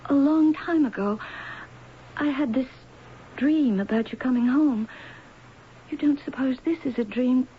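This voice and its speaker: An actress playing a dazed, frightened wife in an old-time radio drama, hesitant and stammering. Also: female voice, high-pitched, measured pace, long pauses, husky, heavily acted. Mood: dazed, fearful. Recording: dull, noisy old radio broadcast.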